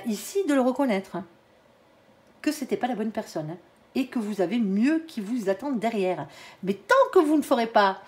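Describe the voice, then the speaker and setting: A woman's voice: medium pitch, a little mellow. A woman with a regional French accent giving a casual tarot reading, chatty and blunt, tagging "hein" onto nearly every phrase. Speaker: tarot reader.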